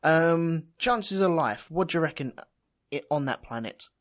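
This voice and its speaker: A man hosting a casual podcast chat, rambling and mocking himself as he thinks out loud. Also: on the high side, lively intonation, measured pace. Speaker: podcast host.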